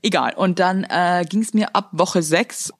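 A woman's voice: lowish voice, measured pace, no echo, studio quality. Casual swearing woman podcaster. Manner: loud, swearing, playful theatrical rants. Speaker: podcast co-host. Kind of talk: casual chat.

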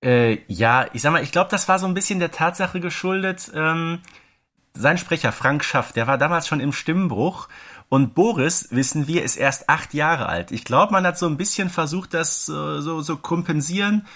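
A man's voice: fairly high pitch, a bit bright. A man co-hosting a podcast, chatting casually with gushing, fannish enthusiasm. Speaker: podcast co-host. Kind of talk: casual chat, analysing a radio play.

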